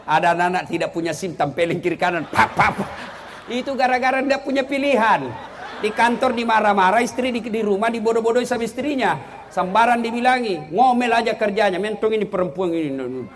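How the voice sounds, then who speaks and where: A man preaching a humorous sermon, animated and joking, dropping to low asides and rising to high exclamations. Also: fairly quick, slight background noise.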